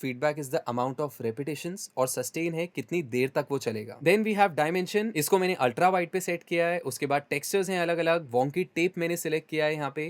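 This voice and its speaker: A man's voice: a little high, normal speed, hardly any pauses. A man in his twenties with an Indian accent, giving a casual, enthusiastic, conversational tutorial as a host. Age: 20s. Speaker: music mixing tutorial host. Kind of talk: casual tutorial explanation mixing Hindi and English. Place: small home studio, indoors.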